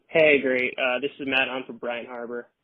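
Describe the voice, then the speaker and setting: A man's voice: medium pitch, little pitch movement, normal speed. A man speaking as a financial analyst, asking a question on an earnings call. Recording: narrow telephone line.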